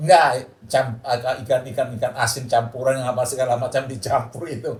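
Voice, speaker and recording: Over noticeable background noise, a man speaks very fast at a medium pitch with fairly even intonation. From North Sumatra, Batak region. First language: Batak (speaking Indonesian). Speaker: retired pharmacist and church elder. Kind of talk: casual interview.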